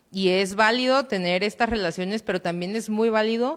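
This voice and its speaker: A woman talks with ordinary pitch variation. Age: 20s. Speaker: guest speaker on gender issues. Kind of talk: talk answering audience questions. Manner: halting.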